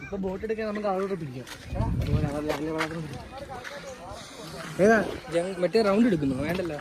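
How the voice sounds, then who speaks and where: A man's voice: fairly high pitch, fast, over a noisy crowd. A man with a Kerala Malayalam accent, chatting casually with friends outdoors. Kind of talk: casual chat among friends.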